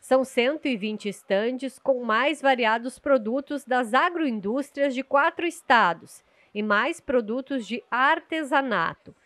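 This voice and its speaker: A young adult woman reporting the news from outdoors at an agricultural fair, speaking into a handheld mic in a measured, scripted way. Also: high-pitched, animated, fairly bright tone, no echo. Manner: measured, clear reporting delivery.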